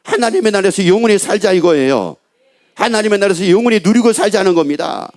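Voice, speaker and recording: A man preaching a Sunday sermon as pastor, asking the congregation repeated rhetorical questions and slowing down to read scripture. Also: high-pitched, lively intonation, a little mellow. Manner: slows down to read scripture verses.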